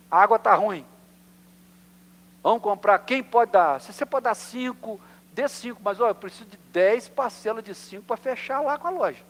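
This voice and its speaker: A man from Brazil preaching a sermon as pastor, animated and storytelling, acting out quoted voices. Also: high-pitched, in a large hall. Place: church.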